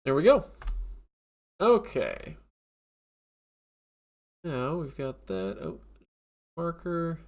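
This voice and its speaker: A podcast host with a nasal, stuffed-up voice, chatting casually on a live stream. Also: male voice, a little high, big pitch swings, very slow, pauses often.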